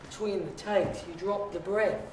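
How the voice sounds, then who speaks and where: A man, an acting teacher guiding students through a warm-up, encouraging and drawn-out. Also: high-pitched. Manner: encouraging, coaching with drawn-out phrasing. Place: large echoey class studio. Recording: echoey room, distant mic, noisy.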